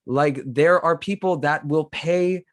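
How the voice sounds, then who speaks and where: A man's voice: fairly high pitch, slow pace, no room sound, studio quality. A man hosting a casual podcast interview, talking informally with loose slang and some swearing.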